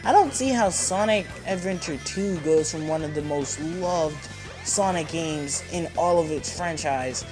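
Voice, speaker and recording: A man's voice: fairly high pitch, unhurried, poor audio. A fourteen-year-old boy giving casual, rambling and opinionated commentary as he plays a video game. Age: 14, teenager. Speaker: gamer narrating a playthrough. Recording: game music behind the voice. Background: video game music.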